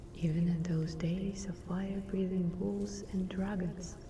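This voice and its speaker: Soft-spoken whispering comes at a fairly slow pace over noticeable background noise. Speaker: ASMR creator. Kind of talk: mythology storytelling reading, sleep story. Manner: soft, whispered.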